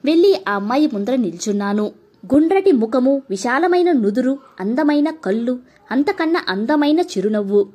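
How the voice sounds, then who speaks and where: A woman narrating an audiobook story in Telugu, told gently and evenly. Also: high voice, animated, moderate pace.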